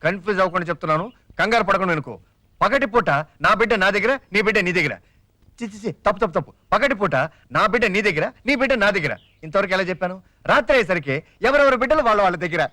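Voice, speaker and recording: A man's voice: high voice, animated, pushed and bright, no room sound, clean studio sound. An actor playing a young father who pleads and jokes as he talks his friend into a scheme, in a comic film. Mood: fast pleading. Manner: fast, pleading and joking.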